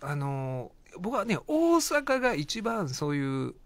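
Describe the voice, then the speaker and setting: A man's voice: a little high, sing-song, slow. A man with a Kansai accent hosting a radio talk show, chatting in a joking, self-deprecating way and laughing often. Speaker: radio show host, lawyer. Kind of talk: casual radio chat. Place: radio studio.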